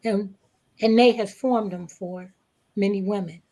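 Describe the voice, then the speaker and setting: A woman guest speaking reflectively in a panel interview, with emphatic, deliberate phrasing and pauses. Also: medium pitch, fairly even intonation, warm tone. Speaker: stage play cast member, guest.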